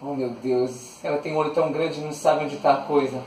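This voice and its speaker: A man's voice: fairly high pitch, little pitch movement, racing, a little mellow, recorded from a distance. Coaxing man in an echoey room. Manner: coaxing, talks sweetly to his dog, often laughing. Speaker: channel host. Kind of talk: casual unboxing vlog. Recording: echoey room, voice off the mic, faint noise.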